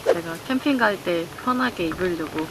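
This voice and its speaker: A woman's voice: on the low side, expressive, moderate pace, noisy background. A woman chatting casually as a solo camping vlogger, half to herself and half to viewers, in an informal way. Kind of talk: casual vlog chat. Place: campsite, outdoors and in a tent.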